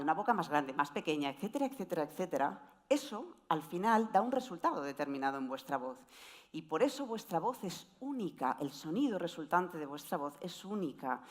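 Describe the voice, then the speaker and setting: A woman giving an explanatory presentation talk on voice, with wide, lively swings in pitch. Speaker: voice coach speaker.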